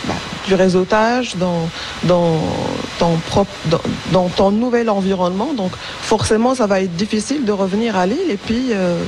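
A woman's voice: medium pitch, normal speed, background noise. A young woman whose first language is Arabic, answering radio interview questions hesitantly with many fillers and restarts. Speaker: interview guest, school support worker.

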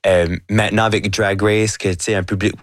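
A man's voice: on the low side, little pitch movement, a little fast, no echo. A young man with an Acadian French accent, speaking as a drag artist guest in a studio interview, sprinkling English words and fillers through his talk. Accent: Acadian French (chiac). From Acadia, Canada.

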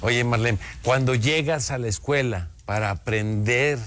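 A man hosting an interview in a relaxed, chatty way with many fillers. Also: mid-range voice, unhurried. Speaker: host. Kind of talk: radio-style interview chat.

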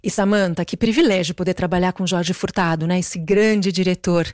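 A woman's voice: fairly low pitch, steady tone, normal speed, a little mellow, dry recording. Tv host lady asking questions, upbeat, admiring, dry close sound. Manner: enthusiastic, admiring. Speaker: interviewer, TV presenter. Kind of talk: TV interview questions.

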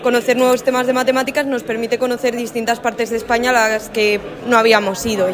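A woman's voice: on the high side, little pitch movement, fast talker, a crowd in the background. A young woman student from Burgos, speaking earnestly in an interview soundbite. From Burgos, Spain. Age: young adult. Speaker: university student.

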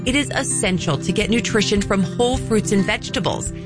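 A woman's voice: medium pitch, lively intonation, brisk. A woman reading a polished, scripted ad. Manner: polished, informative. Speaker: ad announcer. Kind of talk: scripted ad read. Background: music.

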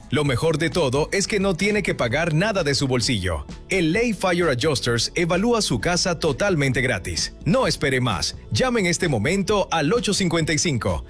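Urgent male commercial announcer over music. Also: a bit bright. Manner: urgent sales pitch. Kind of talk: scripted radio commercial. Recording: ad with music bed.

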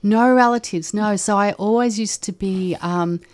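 An older woman, raised in Australia, whose first language was a German dialect, tells her childhood story at a thoughtful pace. She pauses and restarts often as she searches her memory, and her voice sits at an ordinary middle pitch. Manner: reflective, hesitant, with many ums and restarts. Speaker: interviewee. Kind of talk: oral history interview.

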